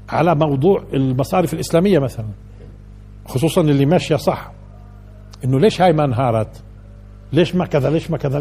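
A man's voice: mid-range voice, vocal fry, warm tone, breathy edge. An older man giving a conversational Quran lesson, asking his listeners questions and building to emphatic peaks. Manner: conversational lecturing, asks the audience questions, rises to emphatic peaks. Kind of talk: colloquial religious lesson.

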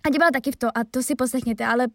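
Young female voice actress, high-pitched, chatty and reflective, close dry studio sound. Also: steady tone, a bit bright, no echo. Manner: chatty, reflective, often trails off. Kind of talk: casual chat about her dubbing roles.

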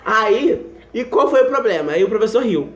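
A young Brazilian man with a Brazilian Portuguese accent, telling a funny story in casual chat, animated and laughing often, with restarts. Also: high voice, moderate pace, a little hiss or hum. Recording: echoey room.

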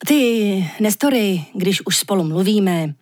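A woman's voice: mid-range voice, animated, darkish tone, dry recording, studio quality, close to an everyday voice. A grouchy, plain-spoken man, voiced by a woman reading the tale, who complains bluntly and without patience. He is a storybook figure in a fairy tale audiobook.

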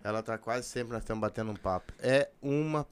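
A man's voice: mid-range voice, a little fast, slight background noise. A man with a southern Brazilian gaúcho accent co-hosting a casual chat, earnest and friendly. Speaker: podcast co-host.

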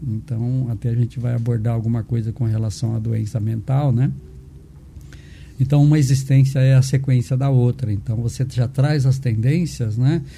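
Older brazilian guy, doctor on a podcast, really dark soft voice, rambles with lots of tag questions, bit of noise. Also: medium pitch, steady tone, normal speed, vocal fry. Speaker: physician, interview guest. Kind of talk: casual conversational storytelling.

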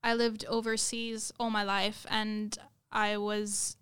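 A woman's voice: medium pitch, level tone, takes it slowly, a bit bright, clear, resonant tone. A young woman from the United Arab Emirates giving earnest, conversational interview answers, often repeating words for emphasis. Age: young adult. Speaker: international theatre student, interview guest.

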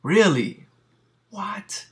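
A man's voice: high voice, expressive, drawn-out words, a bit bright. A man whose first language is Spanish, hosting a casual interview and talking with many fillers and restarts. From Mexican family. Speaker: podcast host.

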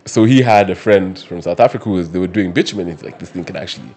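A man from Kenya telling his story as a guest in an interview, speaking in a measured, soft way with frequent pauses and restarts. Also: sits low, slightly rough. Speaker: guest, company director.

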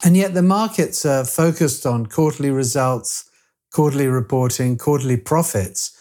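A man's voice: mid-range voice, moderate pace, mellow. A man hosting a podcast interview, asking inquisitive questions and often restarting them. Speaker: podcast host.

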